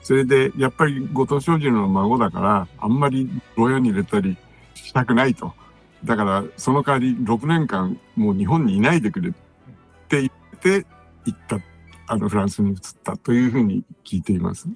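On a radio show, a composer and producer recounts stories loosely and casually, leaning on fillers and side remarks. He has a husky, medium-pitched voice and talks at a normal speed.

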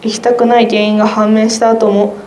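A woman's voice: on the high side, flat delivery, a little fast, warm tone. A teenage girl, a student guest, reading her own essay aloud in a careful, earnest way. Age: teens. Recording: roomy sound with faint noise.

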